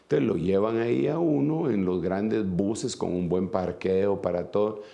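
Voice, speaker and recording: A man's voice: on the low side, unhurried, gravelly, dark tone. A man preaching a sermon, reading scripture aloud and then explaining it at a whiteboard with many fillers and asides.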